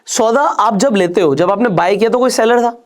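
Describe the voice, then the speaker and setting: A man's voice: high voice, normal speed. Man teaching stock trading to viewers. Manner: conversational, addresses the viewer directly; explains step by step with rhetorical questions. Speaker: stock market educator. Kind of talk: online trading tutorial with screen walkthrough.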